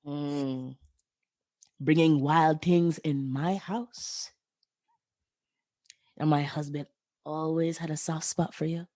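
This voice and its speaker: A woman playing an elderly, reproachful and evasive grandmother in an audio drama, with a husky voice and terse replies. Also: low-pitched, steady tone, slow, long pauses, warm tone. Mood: wry, reproachful.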